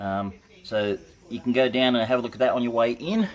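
With an Australian accent, a man is speaking. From Western Australia. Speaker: car hobby vlogger. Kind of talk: casual vlog. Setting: in a car. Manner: halting. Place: open country. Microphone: phone near.

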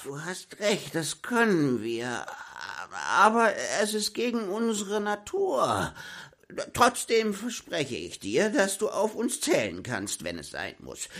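A woman uses a put-on character voice at medium pitch, speaking at a fairly slow pace.

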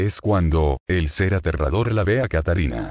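In a very clean recording with a silent background and a dry, close sound with no echo, a man speaks dramatically at a very deep, low pitch, with lively intonation and vocal fry. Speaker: horror story narrator. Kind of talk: spooky ghost-story narration, hushed and suspenseful, building dread. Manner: slow, measured, dramatic pacing with ominous pauses; grave, foreboding tone.

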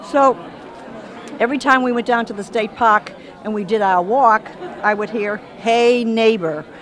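Against crowd noise in the background, a woman with a fairly high pitch speaks at a moderate pace with ordinary pitch variation and long, frequent pauses, in a dry sound with no echo. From New England. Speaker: friend of the deceased. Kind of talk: memorial tribute. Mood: warm, fond storytelling. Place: hall. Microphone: handheld.

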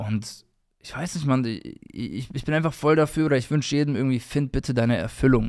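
A man talks at a moderate pace with ordinary pitch variation, the background quiet. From small town in Germany. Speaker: musician; podcast guest. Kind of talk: casual interview chat; interview answer. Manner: animated. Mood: earnest, heartfelt. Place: studio. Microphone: studio mic.

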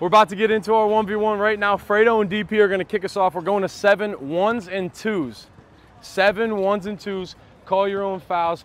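A man's voice at a moderate pace, fairly even in intonation, with a dry sound and no echo. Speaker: event host. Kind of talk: announcement and game commentary. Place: street. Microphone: lapel.

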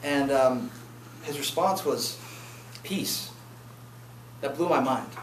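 At a very slow pace with long, frequent pauses, a man speaks with ordinary pitch variation amid light background noise and audible room echo. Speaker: college student; speaker. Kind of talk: classroom speech. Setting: college classroom. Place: classroom. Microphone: camera far.

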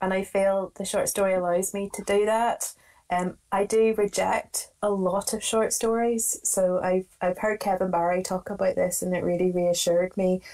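A woman with a Northern Irish accent speaks in a dark, mellow tone and a monotone, flat intonation. She keeps a moderate pace with hardly any pauses against a quiet background. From Northern Ireland. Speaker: novelist and short story writer. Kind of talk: literary panel discussion. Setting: video call. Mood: thoughtful, relaxed. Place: home room. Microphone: earbuds.

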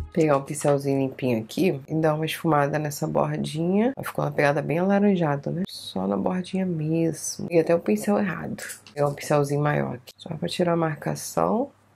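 A woman talks at a moderate pace with lively intonation. Her pitch is very deep and low. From Rio de Janeiro, Brazil. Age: 30s. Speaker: beauty vlogger. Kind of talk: product review tutorial. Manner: conversational.

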